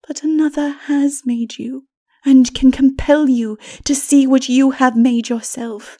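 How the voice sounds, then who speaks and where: Woman playing a breathy, solemn holy woman. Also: sits high, fairly even intonation, warm tone. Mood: solemn exhortation. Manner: solemn, measured, pleading. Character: solemn, sorrowful holy woman, gently stern and righteous. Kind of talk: dramatic audiobook reading, dark fantasy.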